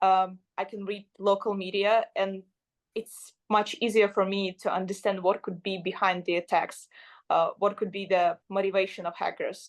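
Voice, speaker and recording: With a Ukrainian accent, a woman talks at a moderate pace in a medium pitch and a monotone, flat intonation over a quiet background. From Ukraine. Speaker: journalist. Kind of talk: interview.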